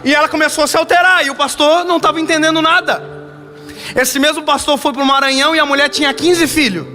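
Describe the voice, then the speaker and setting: A young man preaching in Brazilian Portuguese, telling a story and swinging from rising emphasis to low, hushed lines. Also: steady tone, quick pace, faint music behind. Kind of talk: sermon with a story.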